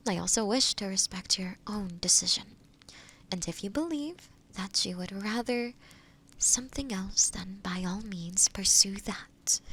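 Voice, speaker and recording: A woman playing a kind, solitary forest witch in a fantasy audio roleplay, speaking softly and sometimes breathily to the listener in formal, thoughtful, hesitant phrases. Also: fairly high pitch, full character voice. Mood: shy, earnest. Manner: formal, old-fashioned wording, thoughtful and hesitant.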